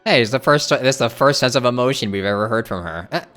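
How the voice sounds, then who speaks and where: A man's voice: medium pitch, animated, fast talker, a bit bright, faint music behind. A man casually commenting while playing a story game on a live stream, chatty and joking. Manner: laid-back, joking, chatty.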